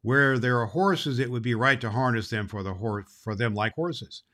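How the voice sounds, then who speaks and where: A man's voice: medium pitch, lightly acted. A man doing a surly stubborn deer keeper. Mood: protesting. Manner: protesting loudly, slow and emphatic.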